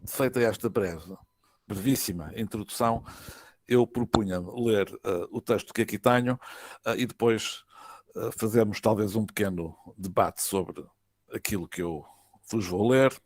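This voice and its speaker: A man with a European Portuguese accent reads an academic lecture in a formal, measured way, phrase by phrase, with some hesitations. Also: lowish voice, husky, dry recording. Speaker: university professor, conference lecturer. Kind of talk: academic lecture read from a prepared text. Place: online web conference.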